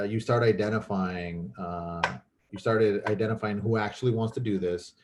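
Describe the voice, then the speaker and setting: A man's voice: lowish voice, a little mellow. A man who grew up in Mexico and speaks Spanish as his first language, talking casually and thoughtfully as a filmmaker guest, often restarting his sentences. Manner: thoughtful, with frequent restarts and fillers. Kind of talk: casual chat.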